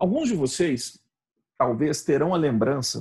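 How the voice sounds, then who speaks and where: A man's fairly high, somewhat breathy voice with a dark, mellow tone, lively intonation and a fairly slow pace, over a quiet background. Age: 40s. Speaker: podcast host and course teacher. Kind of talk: lecture. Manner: halting.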